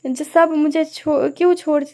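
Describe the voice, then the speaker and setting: A woman's voice: high-pitched, little pitch movement, normal speed, darkish tone. A woman voicing a tearful, grieving young woman. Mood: tearful pleading. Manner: sobbing, pleading.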